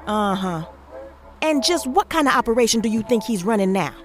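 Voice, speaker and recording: No-nonsense scolding mother played by a woman, high pitch, lively swings, period audio drama. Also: brisk, natural voice. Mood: stern, suspicious. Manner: scolding, interrogating. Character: stern, suspicious, no-nonsense working-class mother.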